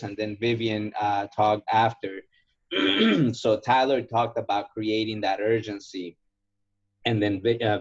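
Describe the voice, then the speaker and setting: Male sales trainer, native Spanish speaker, lowish voice, emphatic informal coaching, slightly muffled lo-fi sound. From Ecuador. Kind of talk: informal coaching in a question and answer session.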